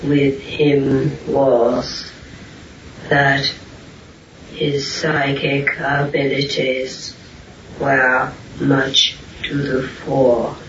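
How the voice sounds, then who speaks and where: A distant, echoing recording carries a man's bright, firm voice giving spiritual teaching. He speaks extremely slowly in short, solemn, deliberate phrases, with barely any rise or fall. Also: medium pitch, completely flat delivery. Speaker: spiritual teacher answering questions. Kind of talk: spiritual discourse in question and answer. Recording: roomy, distant, muffled, hissy amateur recording.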